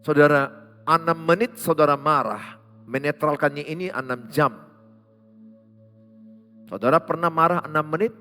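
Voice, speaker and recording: A man's voice: a little high, moderate pace, pauses often. Man, pastor, Medan Indonesian accent, emphatic sermon, faint music behind, reverberant church hall. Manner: emphatic, swings from loud rebuke to quiet asides.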